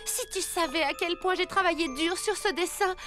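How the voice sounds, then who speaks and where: Flustered, very high-pitched cartoon girl. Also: moderate pace, music in the background. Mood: indignant, wounded. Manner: hesitant, exclamatory, theatrical. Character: flustered, touchy, secretive cartoon girl, dramatic when wronged. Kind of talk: children's cartoon dub.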